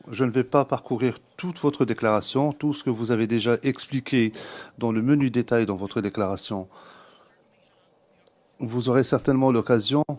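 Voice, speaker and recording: Measured male court interpreter, mid-pitched voice. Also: darkish tone. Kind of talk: formal simultaneous interpreting.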